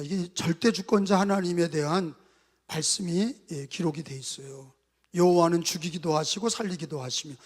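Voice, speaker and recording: High-voiced impassioned Korean pastor preaching. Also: male voice, big-room sound. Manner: impassioned preaching, leads congregation in repeating phrases. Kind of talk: sermon. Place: church sanctuary.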